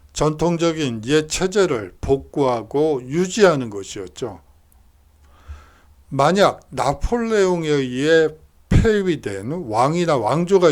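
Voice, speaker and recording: A man giving a recorded university history lecture, explaining steadily with frequent hesitation fillers. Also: fairly high pitch.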